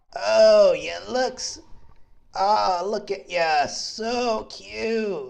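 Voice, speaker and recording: A man speaks at a very slow pace in a high-pitched, put-on character voice. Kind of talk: comic overacting. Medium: actual play. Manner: gushing, playful.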